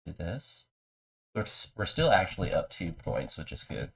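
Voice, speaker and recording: A man's voice: very animated, moderate pace, gravelly, slightly rough. A man with a mild cold and a congested voice, casually talking through his chess moves on a live stream. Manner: low-key, talks through his moves.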